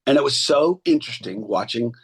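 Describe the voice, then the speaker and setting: A man in his sixties, an actor and voice coach, telling animated stories in a casual interview and slipping into others' voices. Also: mid-range voice, a little fast, husky. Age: 60s.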